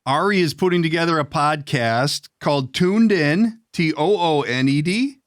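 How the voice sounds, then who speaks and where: A man hosting a casual podcast interview, often repeating words and pausing as he feels his way through a sentence. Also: on the high side, no room sound, clean studio sound. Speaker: podcast host.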